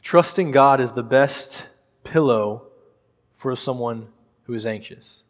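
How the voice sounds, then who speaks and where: Male preacher, mid pitch, earnest and emphatic sermon delivery, long room reverb. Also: slow pace.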